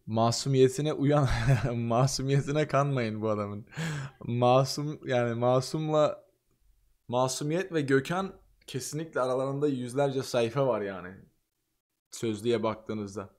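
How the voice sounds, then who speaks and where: A man's voice: medium pitch, unhurried, darkish tone. A young man streaming live, reacting to a video with joking, laughing asides. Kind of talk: casual live-stream commentary.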